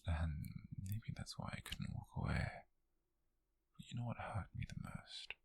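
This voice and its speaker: A man playing an obsessive, lovesick captor in an intimate audio roleplay, confessing in a halting, breathy whisper, pleading yet menacing. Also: low-pitched, heavily acted. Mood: aching, confessional. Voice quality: breathy, husky, gravelly whisper. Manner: slow, halting confession with sighs.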